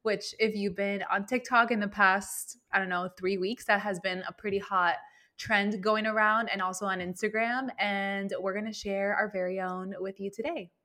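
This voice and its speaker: A woman's voice: mid-range voice, steady tone, normal speed, bright, forceful tone. A woman from Venezuela whose first language is Spanish, co-hosting a podcast in an upbeat, chatty way. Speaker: podcast co-host. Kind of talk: casual chat.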